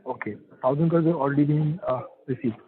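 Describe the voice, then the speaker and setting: A man's voice: on the high side, quick pace. A man with an Indian accent, an analyst asking polite, hesitant questions on an earnings call by phone. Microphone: telephone. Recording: thin phone-line audio.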